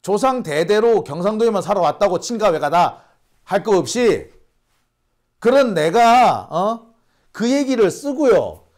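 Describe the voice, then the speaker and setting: A man's voice: sits high, a little mellow. A man from Busan, hosting political commentary and ranting indignantly with rhetorical questions. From Busan, South Korea. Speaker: host.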